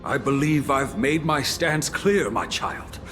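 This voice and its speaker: An actor playing a proud, devout tribal priest in a video game, solemn, formal and dramatic. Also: male voice, on the high side, takes it slowly. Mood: solemn, resolute. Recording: loud game music underneath.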